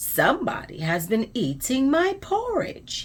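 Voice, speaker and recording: In a put-on character voice, a woman growls at a high pitch and a fairly slow pace over light background noise. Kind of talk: bedtime story. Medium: read story.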